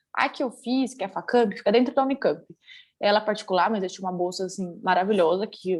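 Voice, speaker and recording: A woman with an interior São Paulo accent at a very fast pace. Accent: interior São Paulo (caipira). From Mato Grosso do Sul / interior of São Paulo, Brazil. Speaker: economist, investor relations professional. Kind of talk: podcast interview. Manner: fast, dynamic.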